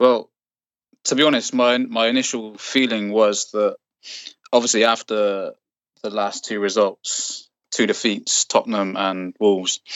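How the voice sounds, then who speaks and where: Medium in pitch, a man speaks with fairly even intonation at a fairly slow pace. Long, frequent pauses break up his speech. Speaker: football commentator guest. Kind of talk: casual interview.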